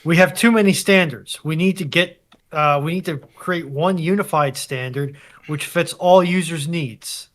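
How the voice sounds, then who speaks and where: A man's voice: a little high, unhurried, fairly bright tone. A man in casual banter as a live stream panelist, with a wry, joking way of talking.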